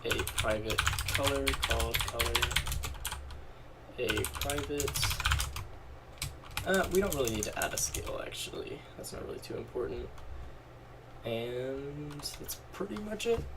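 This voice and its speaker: A man's voice: medium pitch, expressive, measured pace, long pauses, very noisy. A man losing his voice a little, casually talking through a coding walkthrough, thinking aloud and correcting himself as he types. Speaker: programming tutorial host. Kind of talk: screen-recorded coding walkthrough. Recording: distant mic with loud keyboard clatter. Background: keyboard typing and mouse clicks.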